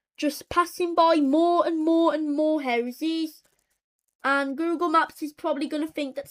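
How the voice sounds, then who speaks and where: A woman with a British accent speaks at a high pitch and a fairly slow pace. Her intonation stays fairly even. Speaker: bus enthusiast YouTuber. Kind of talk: live narration of bus route video. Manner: hesitant, many fillers.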